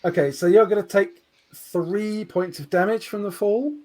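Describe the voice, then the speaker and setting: A man's voice: sits high, normal speed, darkish tone. A man running a tabletop horror game as game master, describing scenes with fillers and restarts.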